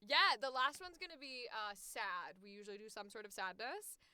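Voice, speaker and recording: A woman who works as a voice actor, chatting casually on a stream in an animated, emphatic, frank way, close to the microphone. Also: a little high, moderate pace, crowd noise. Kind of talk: casual chat.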